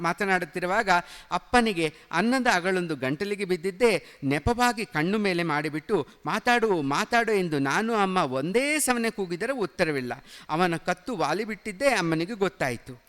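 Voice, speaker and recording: A man's voice: high voice, a bit bright. A man earnestly reading his own first-person story aloud at a public event. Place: event hall. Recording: long hall reverb.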